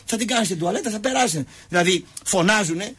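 A man's voice: high voice, lively intonation, a bit bright, husky. A man hosting a radio show, telling comic stories and acting out the quotes in shifting voices. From Greece. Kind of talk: comic storytelling chat.

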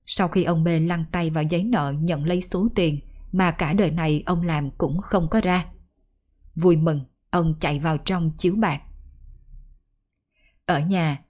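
A woman storyteller narrating a folk ghost story in a measured, even way. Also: lowish voice.

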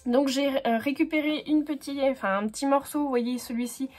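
Chatty high-voiced crafting woman. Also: a little fast, darkish tone, faint music behind. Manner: chatty, many fillers and self-corrections. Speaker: scrapbooking tutorial host. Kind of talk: casual crafting tutorial.

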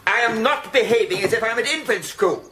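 A man's voice: sits high, fairly quick, bright, forceful tone. An actor playing a grumpy husband in his sixties, grumbling indignantly and sarcastically about his neighbour in a sitcom. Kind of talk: sitcom acting. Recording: noisy old TV broadcast audio.

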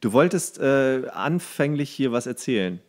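A man with a medium-pitched voice that swings widely up and down co-hosts a podcast. He banters casually and teases in a playful, theatrical way. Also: sing-song, normal speed. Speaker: podcast co-host.

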